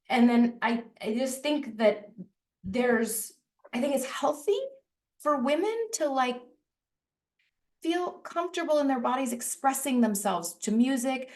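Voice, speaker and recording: Chatty woman host, slightly high voice. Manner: chatty, searching for words with many restarts and fillers; laughs often while talking. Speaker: podcast host. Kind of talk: casual interview chat.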